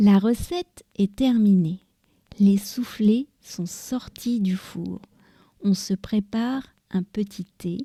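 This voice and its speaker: A woman speaks at a very slow pace in a dark, mellow tone at a medium pitch, somewhat breathy, with ordinary pitch variation. The sound is dry and close with no echo. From France. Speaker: language podcast host. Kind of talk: podcast, cooking with a friend in the kitchen. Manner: slow, clear.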